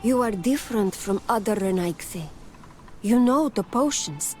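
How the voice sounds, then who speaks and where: Actress as a slow-spoken young tribal woman. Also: mid-range voice, lively intonation, a little mellow, faint music behind, lightly acted. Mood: sincere, grateful. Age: young adult. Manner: slow, formal, sincere. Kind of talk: scripted video game acting.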